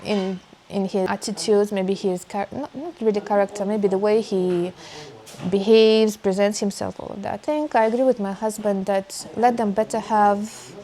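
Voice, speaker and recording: A woman's voice: mid-range voice, steady tone, moderate pace, dark tone. A middle-aged woman talking as an interview guest in a casual, reflective way, hesitant and self-effacing.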